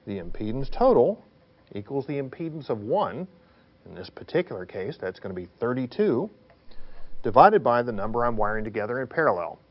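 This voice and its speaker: Male technical instructor, lively intonation, emphatic step-by-step explainer, slightly muffled sound. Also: medium pitch, fairly quick. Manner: didactic, emphatic, poses questions then answers them.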